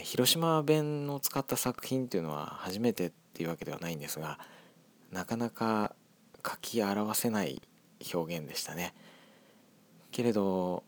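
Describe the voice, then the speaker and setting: Low, soft-spoken Japanese man from Hiroshima. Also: no room sound. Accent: Hiroshima dialect. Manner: reflective, hedging, soft-spoken. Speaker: scriptwriter of an audio drama group. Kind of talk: commentary on his audio drama.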